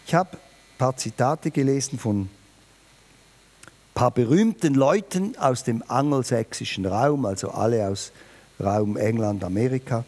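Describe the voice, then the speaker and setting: A man preaching a New Year sermon, emphatic and lively, speaking directly to his listeners. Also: measured pace. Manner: lively, emphatic, varies pitch and volume, addresses listeners directly.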